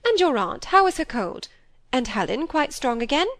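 A woman's voice: sits high, big pitch swings, moderate pace, a bit bright, no echo, voice pushed up, full character voice. A woman voicing a fussy, self-pitying middle-aged stepmother who complains and talks over others, with a dry, close sound. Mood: fussing.

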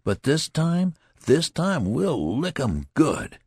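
A man voicing a boastful, touchy young soldier who talks in a rough country dialect, in an audiobook reading. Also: mid-range voice, very animated, a little slow, no room sound, studio quality, pitched above the performer's own voice, full character voice.

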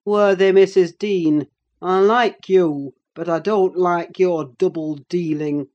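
A woman voicing a cold, scornful middle-aged man who speaks slowly and deliberately in an audiobook. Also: lowish voice, fairly even intonation, darkish tone, dull audio. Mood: sardonic. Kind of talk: audiobook character reading.

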